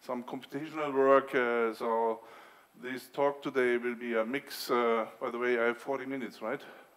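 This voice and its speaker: A man at medium pitch speaks at a moderate pace in a monotone, flat intonation. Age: 60s. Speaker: chemistry professor. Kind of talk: conference talk. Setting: workshop with audience. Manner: halting, many fillers.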